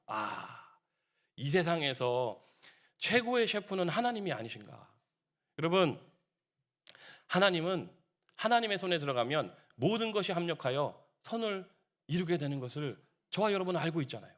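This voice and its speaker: A man's voice: fairly high pitch, very animated, brisk, fairly bright tone. A man preaching a dawn sermon as pastor, exhorting the congregation with rising emphatic appeals. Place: church sanctuary.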